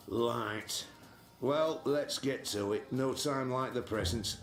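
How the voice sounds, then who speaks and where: A man voicing a resigned, dutiful worker in a video game, talking in an unhurried way. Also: medium pitch.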